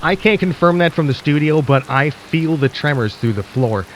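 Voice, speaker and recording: A man playing an anxious, ominous radio host in a radio drama, addressing listeners haltingly as the world ends. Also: fairly high pitch, expressive, a little hiss or hum, natural voice, rough recording. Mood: alarmed, urgent. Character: anxious late-night radio host broadcasting through an apocalypse.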